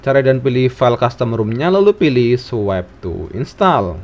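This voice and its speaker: A man's voice: mid-range voice, very animated, moderate pace. A man narrating a scripted tech tutorial, giving instructions phrase by phrase.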